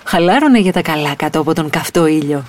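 Expressive woman reading a picture book. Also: low voice, slight background noise. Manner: expressive, lilting. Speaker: storyteller.

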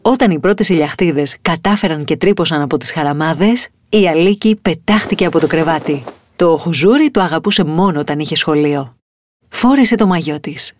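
A woman reading a children's picture book aloud in an expressive, lilting storytelling voice. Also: sits low, soft background music.

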